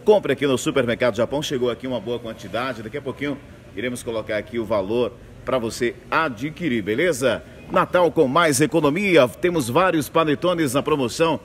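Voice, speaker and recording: Hard-sell supermarket pitchman, noisy store. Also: brisk. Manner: hard-sell ad delivery, urging and repetitive. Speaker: supermarket promotional announcer. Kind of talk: live in-store advertising pitch. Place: large supermarket floor, indoors. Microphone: handheld microphone, phone video. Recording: clear store ambience noise.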